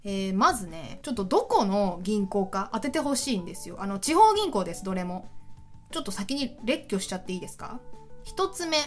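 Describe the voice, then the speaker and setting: A woman's voice: mid-range voice, sing-song, a little fast, soft background music. A woman hosting a casual solo podcast, chatty and enthusiastic, often laughing as she talks. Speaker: podcast host.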